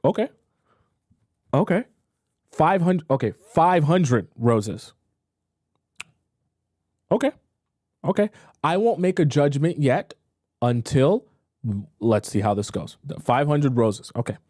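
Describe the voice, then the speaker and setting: A man coaching on dating during a livestream, reading viewer questions and reacting with animated disbelief. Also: a little high, slow, pauses often, dry recording, clean studio sound. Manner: animated, incredulous, talks to chat. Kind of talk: livestream advice talk.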